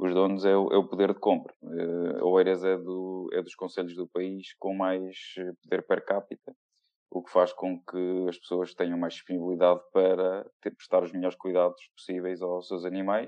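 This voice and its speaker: Pitched very deep and low, the man delivers his words at a moderate speed with monotone, flat intonation. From Portugal, Beira Alta (rural). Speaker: veterinary anaesthetist. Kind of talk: casual interview.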